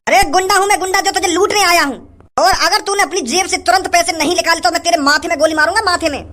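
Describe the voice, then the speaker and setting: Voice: very high voice, fast talker, bright, forceful tone. A performer voicing a blustering male street goon in a comedy skit, making threats. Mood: threatening. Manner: threatening, bragging.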